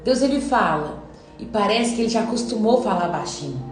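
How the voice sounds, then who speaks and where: A woman's voice: medium pitch, animated, a little fast, roomy sound, faint music behind, poor audio. A woman giving an earnest devotional Bible teaching, acting out quoted voices as she preaches.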